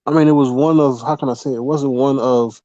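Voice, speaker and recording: A man's voice: medium pitch, steady tone, quick pace, mellow, no room sound. Male panelist, mid register, lo-fi dry sound, picking words while criticizing informally. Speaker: panel participant on a live chat. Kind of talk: casual chat.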